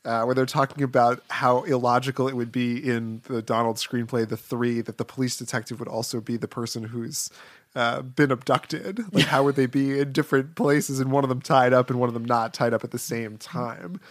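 A man with a mid-pitched voice in a casual film discussion, recorded dry and close. He talks as a podcast co-host, hedging his points in loose, conversational phrases. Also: fairly even intonation, fairly quick, no room sound.

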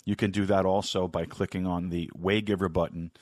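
A man hosting a live Bible podcast, talking in a folksy, rambling way with a slightly scratchy, hoarse voice. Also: low-pitched, flat delivery, fairly quick, a little mellow, dry recording, studio quality. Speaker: podcast host and Bible teacher. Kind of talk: casual live podcast talk.

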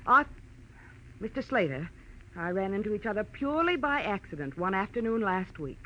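An actress playing a cool, defensive widow in a 1940s radio melodrama, with an American accent and dramatic, formal delivery. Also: female voice, mid-range voice, sing-song, moderate pace, a bit bright. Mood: indignant, defensive. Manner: haughty, dramatic, indignant formality. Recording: dull, noisy old radio recording.

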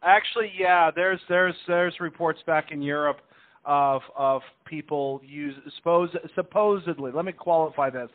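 A man with a somewhat high-pitched voice talks through a narrow, phone-like connection. He is a chatty interview guest who explains casually, repeating words and restarting as he goes. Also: moderate pace. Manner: talkative, explanatory, with repeated words and false starts. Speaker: stage hypnotist, interview guest. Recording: tinny phone-like line.

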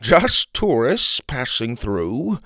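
Man playing a measured, confident old grandpa. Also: mid-range voice, wildly swooping pitch, a bit bright, dry recording, studio quality, exaggerated voice. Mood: nervous, curious. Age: older. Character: genial, confident grandfather explaining things to grandchildren.

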